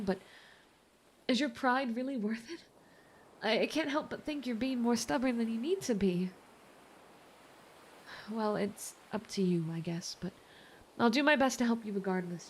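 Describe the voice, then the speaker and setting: Woman voicing a kind, high-voiced young mermaid. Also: slight background noise, natural voice. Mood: concerned. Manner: gentle, chatty, earnest. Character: kind, reassuring young mermaid rescuing a stranded sailor. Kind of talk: ASMR audio roleplay.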